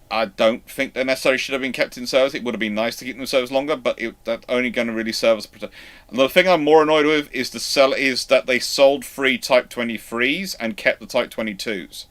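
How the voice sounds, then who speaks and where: A man's voice: medium pitch, fairly even intonation, fairly bright tone. A man hosting a casual live question-and-answer chat, stammering through false starts and repeating himself. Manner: halting, stammering false starts and self-repetition.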